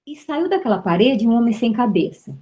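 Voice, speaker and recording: Middle-aged Brazilian woman, interview guest, lively storyteller, mellow tone, muffled lo-fi sound. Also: fairly high pitch, fairly quick. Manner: vivid storytelling, acts out quoted voices, repeats words.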